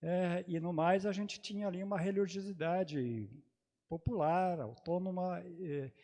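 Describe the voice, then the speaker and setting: Halting man recalling his childhood. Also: high-pitched, mellow. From Brazil, grew up in Santa Catarina. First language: German dialect. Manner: halting, many hesitations and restarts. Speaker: panelist at a theology congress. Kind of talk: personal recollection in a panel talk.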